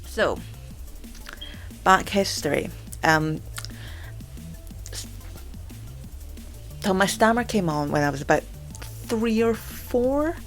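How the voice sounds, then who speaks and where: A young woman hosting a casual vlog chat. She stammers, repeating words and filling pauses with "um" and "like". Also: medium pitch, expressive, soft background music. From Scotland. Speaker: channel host.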